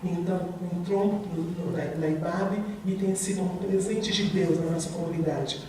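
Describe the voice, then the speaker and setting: A woman giving an earnest testimony sermon in a church, speaking with emphasis and addressing the congregation warmly. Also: fairly low pitch, fairly even intonation, moderate pace, background noise. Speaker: speaker at a church recovery program. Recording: very echoey hall, from far off.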